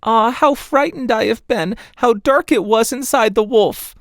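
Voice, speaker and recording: A man's voice: extremely high pitch, measured pace, creaky, dry recording, studio quality, voice pushed up, heavily acted. A man voicing an innocent, anxious little girl in a storybook, earnest and full of wonder. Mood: frightened.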